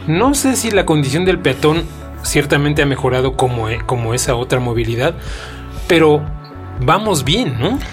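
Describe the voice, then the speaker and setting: A man's voice: on the high side, very animated, moderate pace, over music. A man hosting a podcast, reading an introduction and then chatting in an upbeat way. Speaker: podcast host. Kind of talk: scripted introduction and casual conversation.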